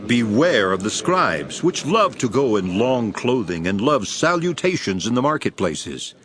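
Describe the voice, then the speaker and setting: A man playing Jesus as a solemn, authoritative teacher with measured delivery in a dramatized scripture reading. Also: medium pitch, very animated, a bit bright. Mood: stern, reproving. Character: Jesus, calm authoritative male teacher rebuking and instructing. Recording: voice over prominent background music.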